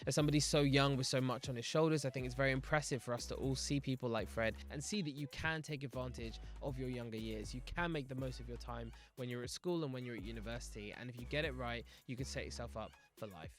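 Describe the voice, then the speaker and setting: A man's voice: mid-range voice, fast, hardly any pauses, faint music behind. A man hosting a podcast, encouraging and affirming as he interviews a guest and wraps up the episode. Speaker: podcast host.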